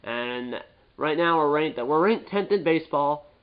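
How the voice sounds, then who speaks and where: A man's voice: on the high side, expressive, measured pace, smooth, narrow, tinny audio. Congested man rambling through gameplay commentary. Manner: rambling, repeats and corrects himself. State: stuffy nose from a cold. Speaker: gaming YouTuber.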